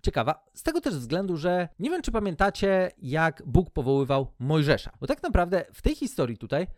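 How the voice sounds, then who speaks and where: A man's voice: a little high, big pitch swings, fairly quick, no echo, clean studio sound. A man giving a casual, joking Bible teaching, retelling the story in colloquial storyteller style.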